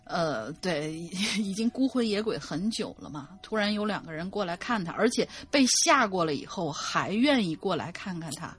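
A woman's voice: lowish voice, big pitch swings, moderate pace, hardly any pauses. A woman co-host in casual chat, hesitantly thinking aloud as she guesses.

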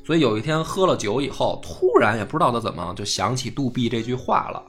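A man tells a history tale with a lively voice that leaps up and down. He acts out the quoted lines and swears casually. Faint music plays underneath. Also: mid-range voice, fast. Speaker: history podcast host. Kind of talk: casual storytelling chat.

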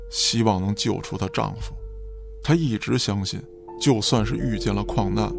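Animated, gravelly male radio drama narrator. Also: lowish voice. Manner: theatrical storytelling. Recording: music behind the voice.

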